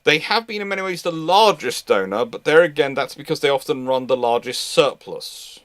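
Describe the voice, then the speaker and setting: A man's voice: fairly high pitch, lively intonation, moderate pace, a bit bright, dry recording. Man hosting, dry close sound. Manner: hesitant, repeats and restarts phrases. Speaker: host of a live naval history question-and-answer show. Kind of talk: casual unscripted question-and-answer talk.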